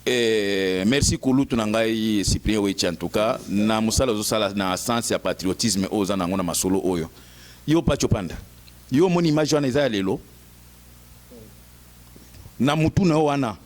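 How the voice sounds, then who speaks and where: A man's voice: lowish voice, normal speed. A Congolese man giving informal political commentary.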